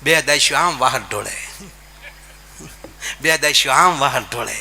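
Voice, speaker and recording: Bright lively folk storyteller man. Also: medium pitch, a little slow, vocal fry. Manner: lively, animated, addressing audience as "bapu" and "saheb". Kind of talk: stage folk humor storytelling.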